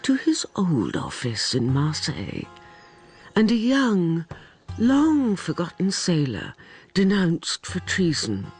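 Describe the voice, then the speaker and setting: A narrator delivering scripted radio drama narration in a slow, deliberate manner. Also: medium pitch, huge pitch swings, darkish tone, soft background music.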